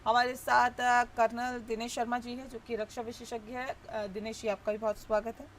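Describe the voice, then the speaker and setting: A woman news anchor opens a televised studio debate and brings in her guests. Her voice sits high, and she speaks in measured phrases broken by frequent "uh" fillers. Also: little pitch movement, a little hiss or hum.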